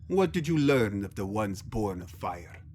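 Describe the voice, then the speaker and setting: Man acting a slow, measured alien elder. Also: fairly low pitch, very animated, darkish tone, slight background noise. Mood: measured, questioning. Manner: deliberate, formal. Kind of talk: scripted audio drama acting.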